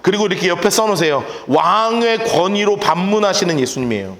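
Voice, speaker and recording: A male pastor teaching a Bible-study sermon in a church, lively, asking his listeners questions and acting out scenes. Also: sits high, brisk, roomy sound. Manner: animated, asks the audience questions and acts out scenes.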